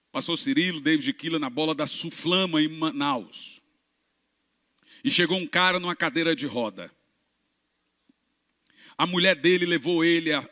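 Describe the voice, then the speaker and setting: A male pastor preaching, telling healing stories and acting out the dialogue, moving from hushed moments to shouted peaks. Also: a little high. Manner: dramatic storyteller who acts out dialogue, swings from hushed to shouting. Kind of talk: preaching a sermon with healing testimonies. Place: church. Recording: long reverb of a large church hall.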